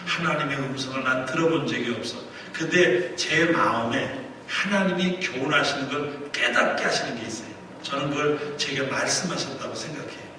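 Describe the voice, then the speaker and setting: A middle-aged male pastor tells his story in a lively revival sermon and acts out each exchange. His tone is bright and forceful, sitting a bit high. The sound carries the long reverb of a church hall, heard from a distance. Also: slight background noise. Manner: animated storyteller, acts out dialogue, draws laughs. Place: church sanctuary. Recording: far-off echoey church hall recording.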